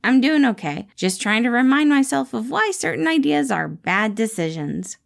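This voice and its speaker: A woman's voice: fairly high pitch, lively intonation, moderate pace, vocal fry, voice pushed up. A woman voicing a nervous, eccentric young man who talks in a hesitant, awkward way.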